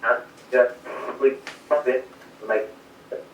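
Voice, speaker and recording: A man's voice: medium pitch, steady tone, measured pace. A man, a race crew chief answering interview questions modestly while calling in from home over a phone line that breaks up. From South Carolina, USA. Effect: calling in remotely over a phone line that breaks up and fades. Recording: dull, distant, echoey call-in line.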